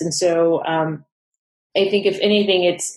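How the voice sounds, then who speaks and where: A woman with a Spanish accent talks at a fairly slow pace, her medium pitch held to fairly even intonation. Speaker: grief support social worker. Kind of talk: podcast interview.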